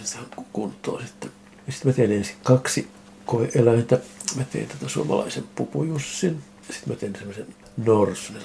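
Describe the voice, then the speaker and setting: An older man, a ceramic artist, telling lively anecdotes in a casual interview and acting out the conversations he recalls. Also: on the low side, vocal fry, a little hiss or hum. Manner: animated anecdotes, acting out quoted exchanges. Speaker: ceramic artist interviewed about his photos.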